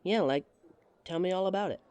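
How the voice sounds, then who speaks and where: A woman's voice: fairly low pitch, brisk, darkish tone, clean tone. A woman performing a scripted roleplay monologue to a listener, playful and giggly, with a teasing manner.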